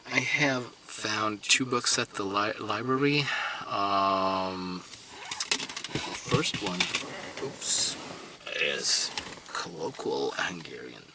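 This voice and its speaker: Slow, hesitant Swedish-native man. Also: lowish voice, background noise. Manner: hesitant, many fillers and restarts. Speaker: language learner vlogger. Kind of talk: casual talk to camera.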